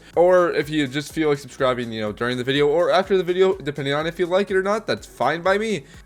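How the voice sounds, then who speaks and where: A man's high-pitched voice at a very fast pace, with music in the background. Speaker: reaction video creator. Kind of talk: casual reaction commentary. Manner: casual, filler-heavy.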